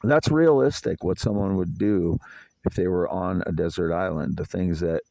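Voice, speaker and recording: Man, 50s, rambling aggrieved monologue outdoors at night; low, mellow, gravelly voice. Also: moderate pace, no room sound. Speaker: vlogger. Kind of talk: late-night solo monologue.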